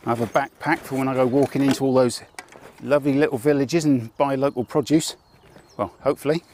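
An older British man, a motorcycle travel vlogger, talks into a lapel radio mic in a campsite car park while showing off his motorcycle kit. His mid-range voice is steady, brisk and darkish, chatty and wry with self-deprecating jokes, and the casual vlog opens with a mock advert. A little hiss or hum can be heard.

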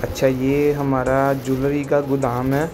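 A man giving a plain, repetitive sales pitch for jewelry, filmed on a handheld phone in a warehouse. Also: monotone, a little slow, background noise. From Pakistan. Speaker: jewelry wholesaler. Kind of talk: product showcase. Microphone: handheld phone camera.

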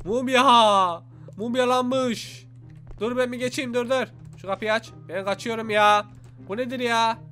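A young man giving excited let's-play commentary, exclaiming and talking to his viewers as he plays. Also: high voice. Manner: animated, exclaims and talks to viewers. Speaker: gaming YouTuber. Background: faint game music.

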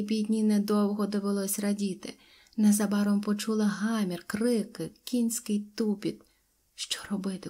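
Husky-voiced woman reading a fairy tale. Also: medium pitch. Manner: expressive, dropping to whispers at tense moments. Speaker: audiobook narrator. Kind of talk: storybook narration.

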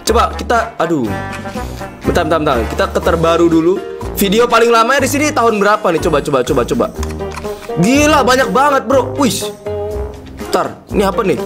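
A young adult man hosting a casual livestream, slangy and excitable, repeating his phrases, with a slightly hoarse voice. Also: high voice, fairly quick, long pauses, over music. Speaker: livestream host. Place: indoor streaming desk.

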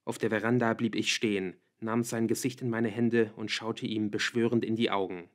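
A man narrating an audiobook in an even, measured reading. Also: fairly low pitch. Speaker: audiobook reader.

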